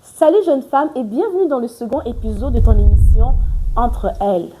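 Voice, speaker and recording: A woman's voice: on the high side, lively intonation, moderate pace, heavy background noise. A woman hosting a podcast, chatty and effusive, with many fillers and restarts. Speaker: podcast host. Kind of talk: casual interview chat.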